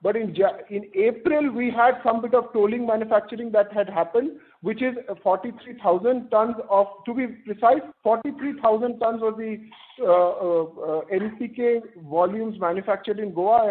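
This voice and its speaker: A man with an Indian accent answering earnings-call questions as an executive, haltingly working through figures and correcting himself over a phone line. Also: high voice. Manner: halting, self-correcting while citing figures. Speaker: company executive. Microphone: telephone conference line. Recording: muffled, band-limited conference phone call.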